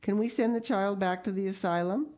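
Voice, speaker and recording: A woman voicing a stern, practical middle-aged woman who speaks briskly and plainly. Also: medium pitch, mellow, pitched above the performer's own voice, natural voice. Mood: businesslike. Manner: brisk, matter-of-fact.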